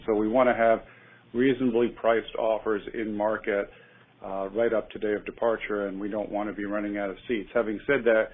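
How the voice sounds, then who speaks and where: A man speaking as an airline executive, giving measured, upbeat, unscripted answers on an earnings call. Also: lowish voice. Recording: narrow tinny conference phone line.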